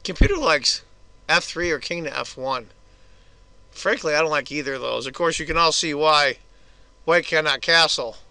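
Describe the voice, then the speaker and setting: Hoarse man commenting on chess. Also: fairly high pitch, lively intonation, normal speed, sharp tone, dry recording. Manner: casual, chatty move-by-move analysis. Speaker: chess video host.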